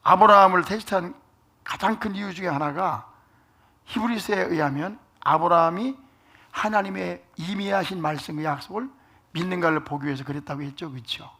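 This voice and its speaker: Preaching a sermon, this middle-aged male pastor asks his congregation questions, calls for amens, and drops to near-whispers for emphasis. His voice sits high and sounds pushed and bright, moving a little fast.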